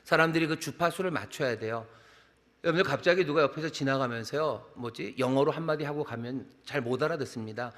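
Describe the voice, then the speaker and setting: A man's voice: medium pitch, brisk, a bit bright. A middle-aged man, a senior pastor, preaching a sermon in a conversational style, with rhythmic repeated phrases and rhetorical questions. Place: large church sanctuary. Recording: long reverb of a large hall.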